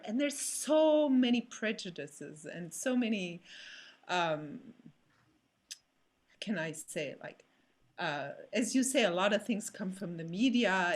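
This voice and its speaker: A French woman with a French accent, an actor speaking hesitantly in a casual panel discussion and searching for her words. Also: medium pitch. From France. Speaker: actor in a children's theatre company.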